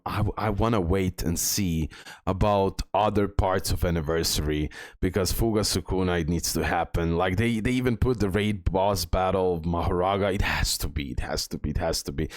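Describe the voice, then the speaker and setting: Guy w/ rambling about a gacha game, lots of uh's, lowish voice, dry close mic. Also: no echo. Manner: rambling, repeats words, many fillers. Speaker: gaming video host. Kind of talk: casual game commentary.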